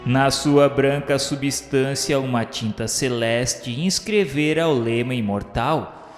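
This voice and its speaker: Long reverb and music surround a man narrating a religious radio play. His mid-pitched voice moves very slowly through ornate prose, reverent and declamatory. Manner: reverent, declamatory, literary delivery. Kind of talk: solemn scripted radio drama narration. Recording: echoey hall-like reverb with music.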